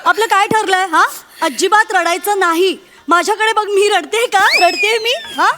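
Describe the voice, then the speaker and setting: A woman's voice: extremely high pitch, normal speed, noisy background. A woman playing a tearful young bride. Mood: pleading. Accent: Marathi. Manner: emotional, pleading. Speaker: comedy sketch actor.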